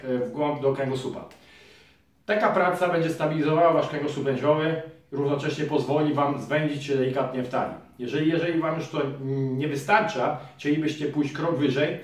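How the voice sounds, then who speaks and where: A man in his thirties, a physiotherapist and trainer, calmly explaining a fitness exercise to viewers, recorded by a camera across a small room. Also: fairly high pitch, distant mic. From Poland. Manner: calm, explanatory, addresses viewers directly. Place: small room in front of a curtain. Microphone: camera mic from across the room. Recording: very echoey room, voice from afar.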